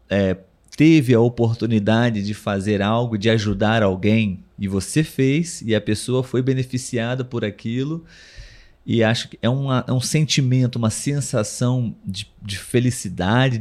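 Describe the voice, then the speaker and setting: A man with a Brazilian Portuguese accent hosting a live podcast conversation, talking slowly and thoughtfully with many pauses and fillers. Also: mid-range voice, a little mellow. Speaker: podcast host.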